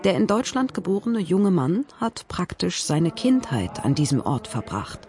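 A man reading documentary narration in a clear, informative way. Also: sits high, big pitch swings, a little slow, darkish tone. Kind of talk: scripted narration.

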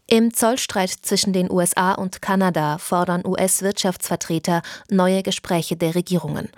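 A woman reading the radio news in a measured, even way in a studio. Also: on the low side, no echo. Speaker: newsreader. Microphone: studio microphone.

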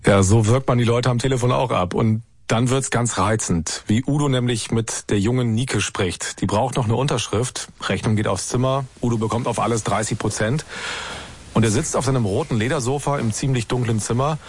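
A man narrating a documentary podcast in a calm, scripted storytelling manner with a lightly wry tone. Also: medium pitch, fairly quick, a little hiss or hum.

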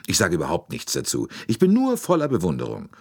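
Man doing a brash american private eye, drawly and blunt, raspy underneath. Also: sits low, wildly swooping pitch, fast, darkish tone, heavily acted. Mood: admiring.

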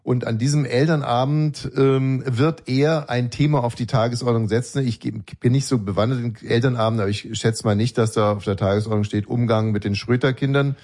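A man's voice: mid-range voice, fairly even intonation, a little fast, few pauses, a little mellow. A middle-aged man co-hosting a casual political chat, speaking hesitantly with many fillers and restarts. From Berlin. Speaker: podcast co-host.

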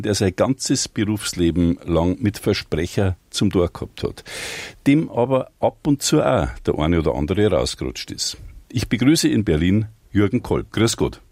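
A man hosts a radio talk show in a low voice. He sounds chatty and relaxed and laughs easily, recorded close and dry on a studio mic. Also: husky, no room sound. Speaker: radio host. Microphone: studio microphone.

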